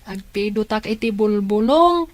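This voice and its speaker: A woman's voice: medium pitch, lively intonation, a little slow, no echo, natural voice. A woman with an Ilocano accent playing a helpful, inquisitive young niece in an audio drama. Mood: curious.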